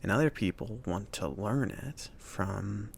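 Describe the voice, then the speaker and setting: A man playing a friendly, awkward mage who runs a magic shop, rambling and reassuring in a soft-spoken ASMR roleplay. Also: lowish voice, a little slow, creaky, slight background noise. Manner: rambling, hesitant, reassuring, with nervous chuckles.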